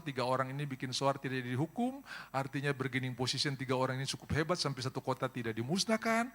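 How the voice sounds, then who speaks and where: Bright-voiced pastor preaching with humor. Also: male voice. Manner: humorous storytelling, acts out voices with big pitch jumps; addresses congregation as brothers and sisters. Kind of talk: sermon.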